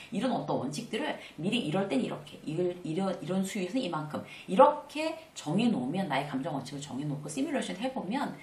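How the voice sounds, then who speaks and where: A middle-aged woman giving a casual lecture on workplace life, acting out small dialogues as she goes. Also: mid-range voice. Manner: conversational, acts out little dialogues with animated asides. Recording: roomy, slightly distant mic.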